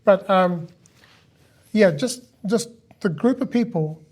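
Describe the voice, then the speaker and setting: A man's voice: high-pitched, expressive, takes it slowly, a little mellow. A man hosting a podcast, talking in a casual, conversational interview style. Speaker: podcast host.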